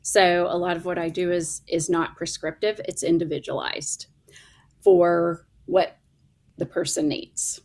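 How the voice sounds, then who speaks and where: A woman's voice: on the low side, flat delivery, measured pace, darkish tone. A middle-aged woman with an Oklahoma accent, a guest chatting in bursts about her work as a coach. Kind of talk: casual chat.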